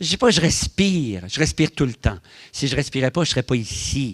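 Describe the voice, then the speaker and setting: With a Canadian French accent, a man speaks in very wide pitch swings, recorded dry and close with no echo. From Quebec, Canada. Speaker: physician and workplace mental health consultant. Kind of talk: public lecture. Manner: humorous.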